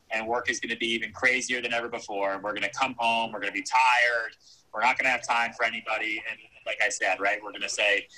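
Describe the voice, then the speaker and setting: Man, on speakerphone, crisp bright tone, upbeat, reflective. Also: mid-range voice, rough recording. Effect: heard over speakerphone. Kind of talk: casual video call chat.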